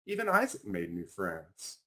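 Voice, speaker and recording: A man reading a children's picture book aloud in an expressive storytelling style, as its author. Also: low voice, unhurried.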